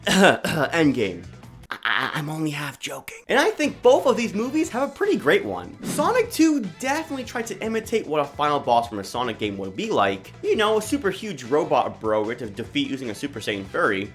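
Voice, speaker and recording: Animated young woman narrating a video essay. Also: mid-range voice. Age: young adult. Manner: casual and slangy with mild swearing. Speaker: host of a video essay channel. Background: background music.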